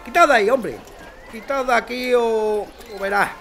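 Gruff, high-pitched, blustering working man. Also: normal speed, pushed and bright, slight background noise. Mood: scornful, angry. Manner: blustering, colloquial. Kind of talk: audio drama acting.

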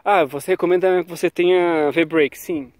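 Guy w a cold, chatty bike talk outdoors, kinda high voice, action cam mic. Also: steady tone, moderate pace, darkish tone, dry recording, clean studio sound. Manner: chatty, loose, trails off with "tá?" and "né?". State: has a cold. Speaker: cycling vlogger. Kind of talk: casual talk to camera about bike brakes. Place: outdoors on a quiet paved road. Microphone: action camera on the bike.

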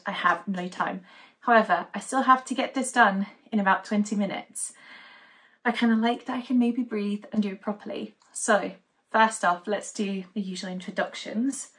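A young woman from Denmark talks casually to the camera in her living room. She is chatty and upbeat, rambling with plenty of "um"s. Her voice sits at an ordinary middle pitch for a woman. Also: moderate pace, fairly bright tone. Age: young adult. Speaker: knitting podcaster. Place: living room at home, indoors.

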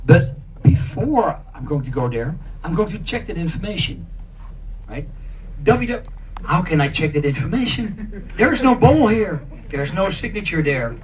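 A young man in an improvised educational role-play, speaking deliberately and with playful theatricality to an audience. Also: high voice, sing-song, darkish tone. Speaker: participant acting in a staged demonstration. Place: conference meeting room. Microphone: handheld mic, picked up by far camera. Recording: distant, noisy room camera pickup.

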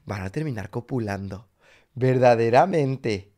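Campy Mexican man, high gravelly voice. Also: animated, moderate pace, over music. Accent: Mexican Spanish. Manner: flamboyant, campy, exclamatory. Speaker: reaction video host. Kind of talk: live reaction commentary.

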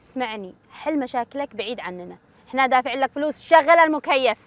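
An actress playing a sharp-tongued, demanding woman traveler with a Yemeni accent. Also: on the high side, animated, racing. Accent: Yemeni Arabic. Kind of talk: TV drama acting.

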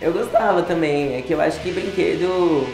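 A 19-year-old man with a Brazilian Portuguese accent telling personal stories in a relaxed way, laughing often, recorded in a studio against a grey wall. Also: on the high side, moderate pace, music in the background. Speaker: interviewee. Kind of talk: casual personal storytelling. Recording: roomy room sound.

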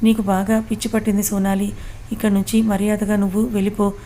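A woman's voice: medium pitch, level tone, fast, dark tone, a little hiss or hum, natural voice. A woman voicing a hot-tempered, troubled young man, scolding bluntly in a read-aloud story. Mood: angry.

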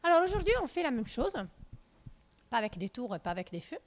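A woman in her thirties with a clear Italian accent, giving a university-style lecture. She tells the story in a lively way, full of fillers and self-corrections, and her voice sits a little high. She speaks into a handheld microphone in a lecture room. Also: quick pace. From southern Italy. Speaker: physics lecturer. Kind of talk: lecture with slides. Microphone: handheld mic.

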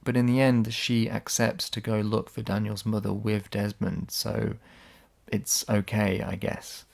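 Guy doing a casual video essay, kinda gravelly, voice a bit worn out, blunt and sarcastic. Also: on the low side, flat delivery, unhurried. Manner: sarcastic and blunt, swears when annoyed. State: voice slightly worn.

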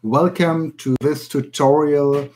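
A man from Germany, a native German speaker with a German accent, giving instructions as a language teacher in a measured, explanatory way. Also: on the high side, fairly even intonation, a little mellow. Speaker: language teacher, academy director. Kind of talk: spoken tutorial to listeners.

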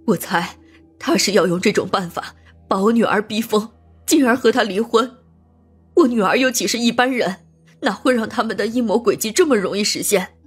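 Actress doing a bossy bitter older mom in audio drama, really husky, snide and ranting. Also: female voice, medium pitch, moderate pace, faint music behind. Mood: bitter, accusing. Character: bitter, domineering, sharp-tongued older mother of a murdered daughter.

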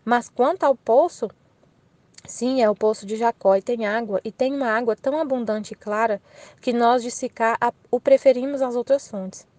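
A woman's voice: fairly high pitch, moderate pace, darkish tone, dry recording, close to an everyday voice. A Brazilian woman reading the lines of a wary, questioning Samaritan woman at a well.

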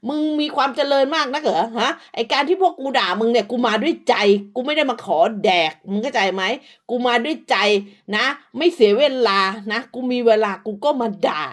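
High-voiced woman hurling crude insults. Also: expressive, brisk, few pauses. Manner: repeats insults and short tags like "na" and "ha". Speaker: online commentator. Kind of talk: profane rant at rival creators.

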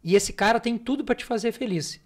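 A man voicing a hurried young traveler in a spoken fable, dismissive and in a rush. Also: extremely high pitch. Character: hurried young man seeking meaning of life.

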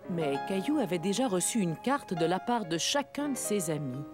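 A woman narrating a scripted children's story with clear storytelling phrasing. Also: lowish voice, big pitch swings, normal speed. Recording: music behind.

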